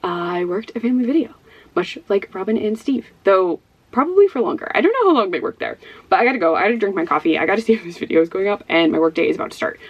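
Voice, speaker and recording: A woman's voice: medium pitch, expressive, quick pace, dull audio. Chatty Midwestern woman rambling to camera. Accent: Midwestern American. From Ohio, USA. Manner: chatty, rambling, giggly, lots of "like" and "um". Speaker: book vlogger. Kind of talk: casual chat to camera.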